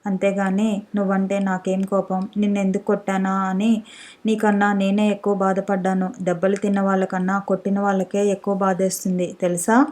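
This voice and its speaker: A quick-tempered young husband, read by a woman, pleads and blames himself in a mellow, even voice. He sounds like a figure in a spoken storybook. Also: mid-range voice, natural voice. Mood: remorseful. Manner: pleading, self-reproaching.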